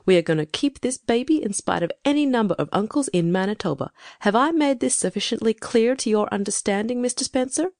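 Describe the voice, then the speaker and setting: A stern, commanding older farm wife, as a woman reading aloud puts her on, clipped and icy in every word. Her voice swings widely in pitch and carries a gravelly rasp. The sound is dry and close. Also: lively intonation, a little fast, hardly any pauses, a little mellow, no room sound. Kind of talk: audiobook character voice.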